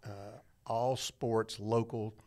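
Chatty middle-aged man, lowish voice. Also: level tone, takes it slowly, a little mellow. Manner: chatty, rambling, self-deprecating. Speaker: church media director, guest. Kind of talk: casual storytelling interview.

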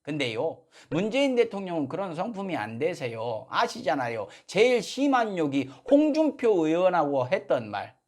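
A man's voice: a little high, sing-song, normal speed, hardly any pauses. A man in his speech, hosting a satirical political monologue. He is sarcastic and mock-polite, indignant outbursts. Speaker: political commentary host.

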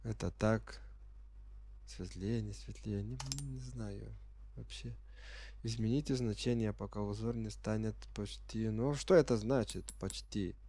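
A sick man speaking as a non-native speaker, giving halting, unsure commentary as he plays a game for the first time and reads the menus aloud. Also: fairly low pitch, steady tone, dark tone. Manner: reads game menu text aloud while puzzling over it. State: sick with a virus. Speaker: gamer playing on camera.

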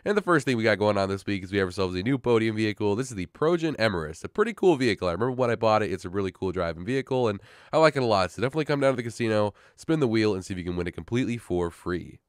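A man's voice: lowish voice, lively intonation, dry recording, clean studio sound. A man hosting a casual gaming update video while sick with a sore throat, pushing through with an upbeat rundown. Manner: fast, upbeat despite being sick. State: sick, hoarse. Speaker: gaming channel host.

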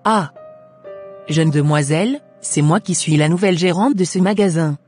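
A woman's voice: fairly low pitch, normal speed, a little mellow, soft background music, lightly acted. A woman voicing a polite, apologetic shop manager in an amateur Christian cartoon.

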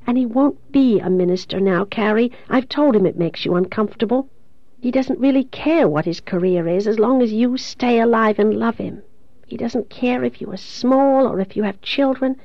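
A woman's voice: fairly high pitch, moderate pace, no room sound, lo-fi sound, natural voice. A woman voicing a tender, protective motherly woman in an audiobook, soothing and urgently pleading. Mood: insistent, loving.

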